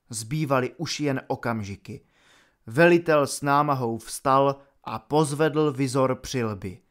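Give me a man narrating a fantasy audiobook in a measured, dramatic reading. His voice sits at an ordinary middle pitch and carries the story steadily. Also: fairly bright tone.

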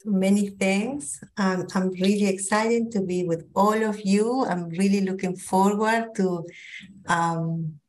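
A woman's voice: mid-range voice, fairly even intonation, slow pace. Peruvian woman presenting over video call. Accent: Peruvian Spanish. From Peru. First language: Spanish. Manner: warm, hesitant with many fillers and restarts. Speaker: psychologist presenter. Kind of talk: online training presentation.

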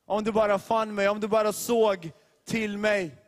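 A man preaching a sermon to a gathering, his voice pitched high but held in a narrow, level band. He drives his points home with emphatic repetition and rhetorical questions. Long reverb from a large church hall hangs behind every phrase. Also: little pitch movement. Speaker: youth leader preaching.

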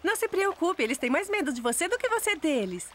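A woman voicing a caring, cheerful young mother in a children's cartoon dub, gentle and reassuring, with a Brazilian accent. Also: very high-pitched, very animated, quick pace, slight background noise.

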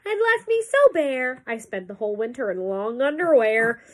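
A woman's voice: a little high, sing-song, moderate pace. A woman voicing an indignant bear in a storybook who complains about the elephant's sneezes.

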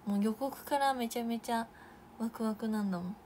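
A young Japanese idol woman chatting casually on a live stream, reading viewer comments with bursts of excitement and soft asides. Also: on the high side, a little fast, slight background noise.

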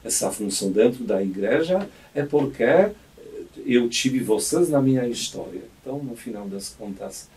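In a radio studio interview, a Polish-accented auxiliary bishop in his fifties speaks in an animated, somewhat mellow medium-pitched voice at normal speed. He sits far from the boom-arm studio mic and comes across as reflective and hesitant, with many restarts.

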